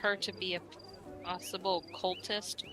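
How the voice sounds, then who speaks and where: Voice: medium pitch, flat delivery, normal speed. A player in a tabletop game in casual chat, blunt and self-deprecating.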